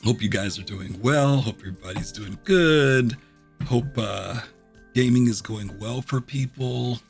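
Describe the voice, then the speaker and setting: A middle-aged man chatting casually as a streamer reviewing a game show, full of ums and throat clears, his voice a little rough. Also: mid-range voice, measured pace, soft background music. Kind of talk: casual livestream chat.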